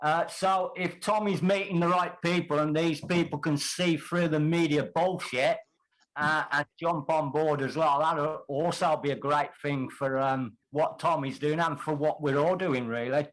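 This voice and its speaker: A man in his fifties with a Black Country accent, speaking earnestly and haltingly on a group video call. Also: on the high side, steady tone, a bit bright, rough recording. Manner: earnest, hesitant, restarts often.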